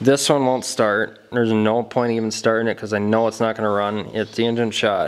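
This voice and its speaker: A man's monotone, flat delivery at a moderate pace. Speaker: vehicle hobbyist vlogger. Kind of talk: casual vlog chat. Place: garage. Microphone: phone near.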